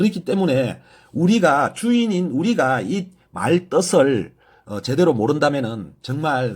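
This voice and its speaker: Speaking at a fairly slow pace, the man has a fairly high pitch with very wide pitch swings, vocal fry, and big swings in loudness. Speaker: self-styled Bible translation lecturer. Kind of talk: lecture. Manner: halting with fillers.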